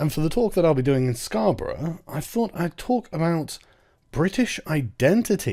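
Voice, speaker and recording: At a moderate pace, a man with an English accent speaks in a fairly high pitch with a dark, mellow tone and very wide pitch swings. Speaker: political commentator. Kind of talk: video monologue.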